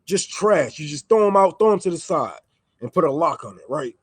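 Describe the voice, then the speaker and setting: A man's voice: fairly high pitch, animated, brisk, slightly rough, no echo. A man on a livestream, ranting heatedly and with profanity, repeating lines for emphasis. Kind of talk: livestream rant. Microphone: microphone.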